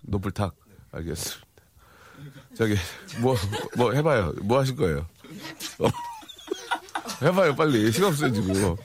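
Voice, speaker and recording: A man's voice: fairly low pitch, crowd noise. A man hosting a live broadcast, joking and teasing guests in a bantering way. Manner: teasing, joking, fast and animated. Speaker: live show host.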